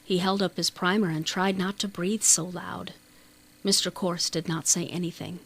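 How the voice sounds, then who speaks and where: A woman reading a children's novel as an audiobook narrator, in a measured, expressive storytelling manner. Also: lowish voice, gravelly, husky.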